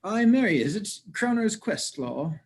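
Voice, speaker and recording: A cheerful working gravedigger, acted by a man in a Shakespeare play reading. His voice sits fairly high and swings widely as he teases and argues in mock earnest, blunt and theatrical. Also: very animated, measured pace, husky, exaggerated voice. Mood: teasing, cocky. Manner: theatrical, teasing, mock-argumentative.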